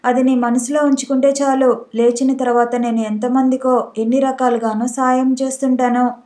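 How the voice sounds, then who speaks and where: A woman reading the lines of a composed adult man, calm and in control, with a measured, quiet delivery. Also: high-pitched, lightly acted. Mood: cool.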